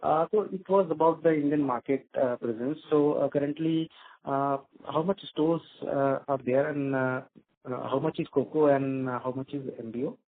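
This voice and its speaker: A man dialed into a conference call, his husky voice coming through a tinny, narrow phone line that keeps breaking up. He talks haltingly and stops often to find his words. He is not on the handset, so he sounds thin and distant. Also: mid-range voice, steady tone. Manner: halting, heavy hesitation. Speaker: analyst asking questions on an earnings call.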